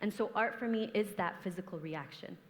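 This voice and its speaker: A woman's voice: mid-range voice, brisk. A young woman, an artist, answering on a forum panel in an earnest, reflective, impassioned way. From grew up in the US and Canada. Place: large conference hall. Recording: hall reverb, stage mic.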